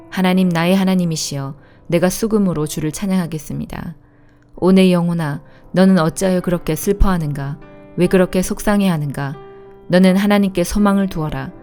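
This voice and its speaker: A woman reading the Bible aloud in a steady, calm, measured way. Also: on the low side. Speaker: Bible reader. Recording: soft instrumental music behind.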